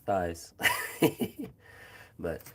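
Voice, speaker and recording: A young man, a phys ed teacher, chatting casually about his training with a hoarse, phlegmy throat and many fillers and pauses. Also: low-pitched, very noisy. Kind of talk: casual vlog chat while training.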